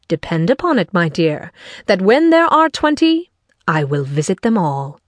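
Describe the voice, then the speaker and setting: A woman voicing a sarcastic middle-aged gentleman and father in an audiobook, dry, measured and mock-solemn. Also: lowish voice, sing-song, no room sound. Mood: teasing.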